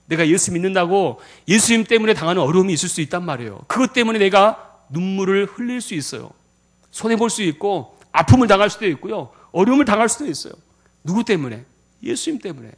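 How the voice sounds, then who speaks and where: A man's voice: sits high, very animated, quick pace. A male pastor preaching a sermon in a church, asking the congregation questions. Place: church sanctuary.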